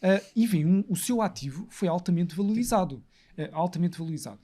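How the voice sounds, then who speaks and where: Fast-talking higher-voiced Portuguese man. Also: lively intonation, dark tone. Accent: European Portuguese. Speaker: guest expert, author. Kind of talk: fast analytical discussion.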